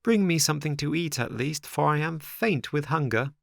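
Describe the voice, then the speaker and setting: Storybook puppet boy, played by a man: young, impatient, dramatic, begging, pitched high with big swings. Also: animated, normal speed, vocal fry, no echo, clean studio sound. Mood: pleading. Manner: pleading, exclamatory.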